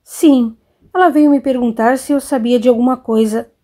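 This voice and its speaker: A woman voicing a worried, gentle mother in an audiobook, coaxing her son with concerned questions. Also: on the high side, steady tone, moderate pace, natural voice.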